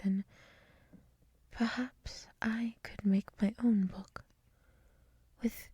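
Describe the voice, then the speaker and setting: A gentle dryad librarian played by a woman whispers in a very breathy, airy voice with a dark, mellow tone. She takes her time, hushed and reflective, in a soothing ASMR roleplay recorded close and dry. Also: mid-range voice, dry recording. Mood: serene, dreamy. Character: gentle soft-spoken female dryad head librarian. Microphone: close microphone.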